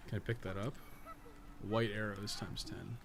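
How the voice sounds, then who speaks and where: A man's voice: fairly low pitch, steady tone, moderate pace, crowd noise. A man giving casual live game-stream commentary, thinking aloud in a rambling, blunt way and swearing freely. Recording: clear background noise.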